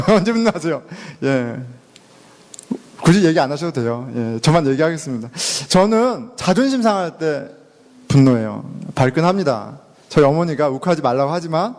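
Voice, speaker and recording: A man's voice: on the high side, darkish tone. A middle-aged man preaching a casual, chatty sermon as a pastor, self-deprecating and laughing often, dropping English words into his talk. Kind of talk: conversational sermon. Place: church sanctuary. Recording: long church reverb.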